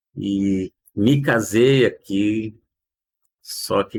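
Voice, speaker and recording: A man with a normal speaking voice, fairly low in pitch, is heard on a very clean recording with a silent background. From Brazil, interior of São Paulo state (Ilha Solteira). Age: 60s. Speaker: pastor. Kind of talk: casual interview.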